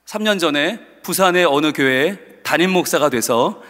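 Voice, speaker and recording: Brief: high, bright male preacher, storytelling sermon, reverberant church. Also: moderate pace. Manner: animated, acts out quotes. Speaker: pastor. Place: church sanctuary.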